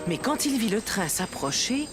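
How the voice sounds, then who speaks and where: A woman's voice: on the high side, very animated, normal speed, over loud music. A woman narrating a scripted children's story for a cartoon.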